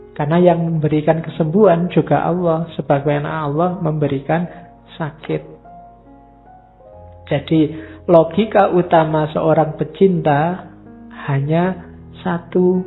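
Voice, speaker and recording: A man giving a relaxed, conversational religious lecture in a mosque and speaking straight to his audience. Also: on the high side, unhurried, vocal fry, long pauses. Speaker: lecturer on Islamic philosophy. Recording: tinny lo-fi recording with faint music.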